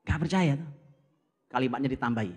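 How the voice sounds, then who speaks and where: A man preaching from scripture, lively and direct, who often turns to his listeners and acts out little dialogues. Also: mid-range voice, fairly quick, breathy edge. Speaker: Islamic preacher. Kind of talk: Quran study talk.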